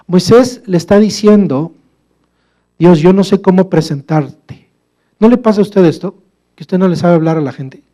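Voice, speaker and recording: A man preaches in church, putting rhetorical questions to the congregation and calling them brother. He moves back and forth between loud, emphatic passages and quiet, low asides.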